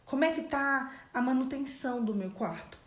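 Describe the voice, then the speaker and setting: A woman's voice: sits high, normal speed. A Brazilian woman leading a live-streamed devotional, speaking conversationally and putting direct questions to her viewers. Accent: Brazilian Portuguese. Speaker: devotional teacher. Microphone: phone or computer on a live stream. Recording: echoey room.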